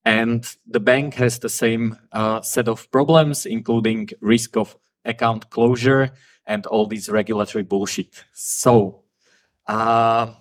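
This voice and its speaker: A man's voice: mid-range voice, fairly even intonation, slow pace. A man giving a talk at a conference, blunt and frank, with frequent "uh" fillers. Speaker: conference speaker.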